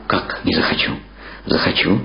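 A man's voice: normal speed, close to an everyday voice. A man voicing a young, trusting son dung beetle in an eager, childlike way. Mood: curious. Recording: dull roomy archival radio recording with music.

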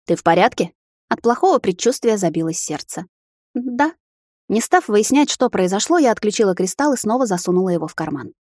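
Brisk woman reading a fantasy novel. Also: mid-range voice, no echo, studio quality. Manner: brisk, expressive storytelling. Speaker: audiobook narrator. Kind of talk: first-person fantasy novel narration.

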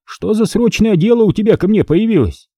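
A man's voice: high-pitched, a little fast, dark tone, no echo, clean studio sound, voice pushed up. A man voicing a sneering, menacing crime boss who taunts his captive. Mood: suspicious. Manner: taunting, barked threats and sly mockery.

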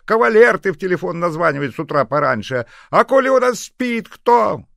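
A man's voice: on the high side, very animated, measured pace, vocal fry, fairly bright tone, no echo, clean studio sound, voice pushed up, exaggerated voice. A man voicing a nosy, spiteful old woman neighbor who sneers and scolds. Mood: ranting.

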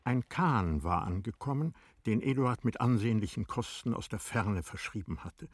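A man narrating a literary radio play in a measured, deliberate manner, letting phrase endings drop to a hush. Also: fairly low pitch, animated, slightly rough, no room sound.

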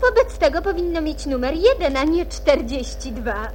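A woman's voice: high-pitched, big pitch swings, normal speed, darkish tone, a little hiss or hum. An actress playing a bold, candid little girl in a children's audio play, girlish and plain-spoken. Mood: defiant.

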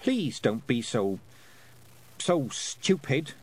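A man's voice: mid-range voice, big pitch swings, drawn-out words, darkish tone, husky, heavily acted. A man voicing an earnest, brave young girl who speaks with urgency and determination. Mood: determined.

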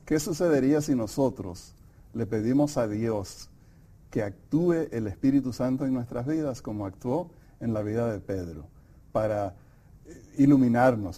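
A middle-aged man co-leading a Bible study, calm and affirming as he reads scripture and comments. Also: mid-range voice. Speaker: Bible lesson co-presenter. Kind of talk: conversational Bible study lesson.

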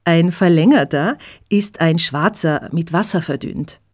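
A friendly young woman from a storybook explains things patiently to her friend, voiced by a woman reading aloud. She speaks slowly in a lowish voice, easy and warm in manner.

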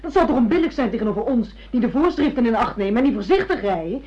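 A woman's voice: a little high, very animated, fast talker, a little mellow. A woman acting a self-assured secretary and secret mistress in a Dutch radio play, frank and reproachful as she lectures her boss. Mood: indignant, reproachful. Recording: muffled lo-fi radio play recording.

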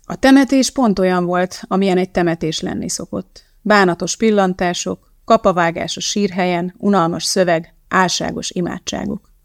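An audiobook narrator reading a novel in a measured, unhurried storytelling manner. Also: mid-range voice, creaky, dry recording, studio quality.

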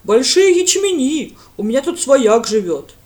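A woman doing a loud, simple village lad. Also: high-pitched, sing-song, unhurried, pitched above the performer's own voice. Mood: boastful. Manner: loud, eager, drawling folksy talk. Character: big simple-minded village lad, eager.

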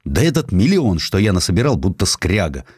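A man's voice: sits low, very animated, a little fast, darkish tone, breathy edge, no room sound, full character voice. A man voicing a bitter, weary, despairing middle-aged Russian general in an audiobook, plain-spoken and disillusioned. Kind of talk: audiobook character dialogue.

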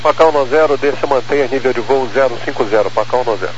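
A man's voice: medium pitch, quick pace. Brazilian male air traffic controller on muffled radio. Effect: radio transmission. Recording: muffled aviation radio, faint noise.

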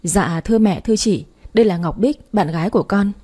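A woman voicing a gentle young man who softly reassures his girlfriend in a storybook reading. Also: medium pitch, fairly quick, husky, natural voice.

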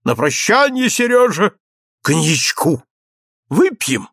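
A man reading aloud and voicing a drunken, tearful, excitable count in a high, wavering, giggling voice, gushing and pleading. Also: slow pace, breathy edge, no room sound, clean studio sound, full character voice. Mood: tipsy gushing.

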